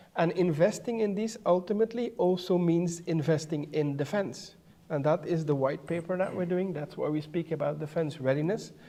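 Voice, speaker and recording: With a Dutch accent, a man speaks in a high voice at a moderate pace with hardly any pauses. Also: ordinary pitch variation. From Netherlands. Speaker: EU defence policy speaker. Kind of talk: conference keynote speech.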